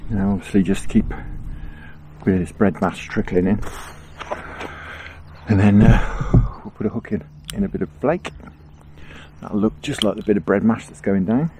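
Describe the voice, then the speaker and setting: This angling vlogger is a middle-aged man from England whose lowish voice moves at a moderate pace. Fishing outdoors on a riverbank, he chats away in relaxed self-talk, frequently chuckling. Faint noise sits under the outdoor background.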